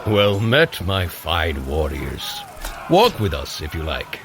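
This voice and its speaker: An actor playing a boastful, jovial warrior god prince in an audio drama, with a showy manner and grand old-fashioned phrasing. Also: male voice, deep voice, wildly swooping pitch, slow pace, creaky, noisy background, full character voice. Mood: flirtatious, boastful. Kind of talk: audio drama acting for a guided workout.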